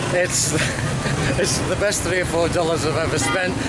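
A man talks at a moderate pace. The sound is dry with no echo, under loud background noise. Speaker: travel vlogger. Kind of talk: casual vlog chat. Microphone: phone near.

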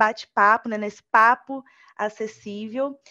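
A woman's fairly high-pitched voice in a monotone, flat intonation. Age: 20s. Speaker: journalism student podcast host. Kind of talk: podcast interview.

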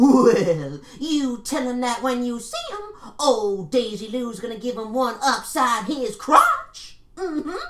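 In a put-on character voice, a man talks at an extremely high pitch with lively intonation. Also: fairly slow pace. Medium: voice reel.

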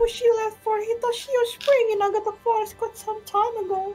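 Speech moves at a moderate pace. Faint music plays in the background. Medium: virtual streamer. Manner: fretful.

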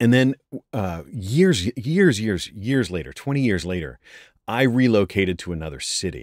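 A man with a fairly low pitch talks at a fairly slow pace with very wide pitch swings, against a quiet background and with a dry sound with no echo. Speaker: voice actor, podcast guest. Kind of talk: interview answer. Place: booth.

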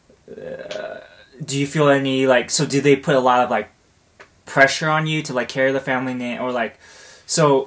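A man with an American accent speaks in a normal speaking voice at a fairly high pitch, with ordinary pitch variation. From United States. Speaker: podcast host and film producer; podcast host. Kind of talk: casual interview. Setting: recorded in Seoul. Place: home room.

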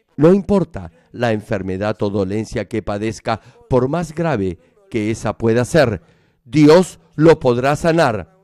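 In a dry, close recording with no echo, a man with a dark, mellow tone of medium pitch speaks very slowly, his pitch swinging very widely. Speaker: pastor. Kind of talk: sermon.

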